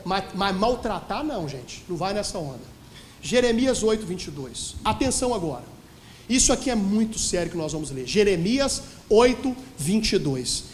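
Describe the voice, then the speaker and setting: A man's voice: sits high, brisk, a little hiss or hum. A man with a Brazilian Portuguese accent, preaching a sermon as pastor and acting out the people in his stories. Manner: animated, acts out dialogue in quoted voices. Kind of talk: sermon with storytelling. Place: church hall. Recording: echoey church hall.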